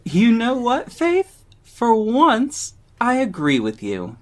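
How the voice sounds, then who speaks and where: A man acting in an audio drama as a confident, sharp-tongued gay councilman with a pointed, theatrical manner. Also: very high-pitched, wildly swooping pitch, slow, full character voice. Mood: smug, commanding. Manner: theatrical, pointed, biting sarcasm.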